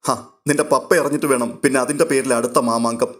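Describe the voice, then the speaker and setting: A man voicing a steady, reassuring young man in an audio story, calm and matter-of-fact. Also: medium pitch, quick pace, close to an everyday voice.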